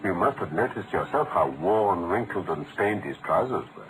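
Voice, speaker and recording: An actor playing a brilliant, world-weary British gentleman detective in an articulate, theatrical old-time radio drama style. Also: deep voice, expressive, normal speed, slight background noise, rough recording. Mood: precise, deductive. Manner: articulate, theatrical, explanatory delivery.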